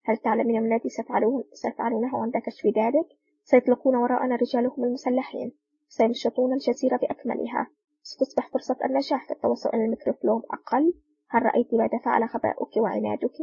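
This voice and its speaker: A man's voice: very high voice, flat delivery, very fast, creaky, dark tone, breathy edge, muffled recording, heavily acted. A woman reading a cold, curt male agent. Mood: scolding. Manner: curt and scolding. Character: cold, sharp-tongued male special agent.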